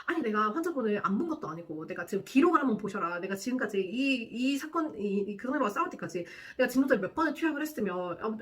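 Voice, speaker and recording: A woman's voice: medium pitch, fairly bright tone. A young woman, a nurse, tells a work story to camera in casual chat, acting out the quoted lines and laughing often.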